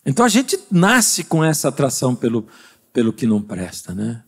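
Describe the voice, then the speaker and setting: A man's voice: medium pitch, wildly swooping pitch, moderate pace, breathy edge. A man with a Brazilian Portuguese accent preaching a sermon as pastor, speaking conversationally and quizzing the congregation with rhetorical questions. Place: church service.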